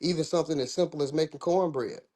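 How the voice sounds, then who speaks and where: A man's voice: a little high, quick pace, mellow. A man from the American South with a Southern accent, talking in a casual discussion, rambling and restarting his sentences in informal speech.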